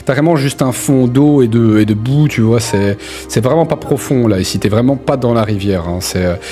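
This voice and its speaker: A man's voice: mid-range voice, moderate pace, mellow. A man improvising narration as a tabletop game master, in an informal, colloquial way. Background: background music.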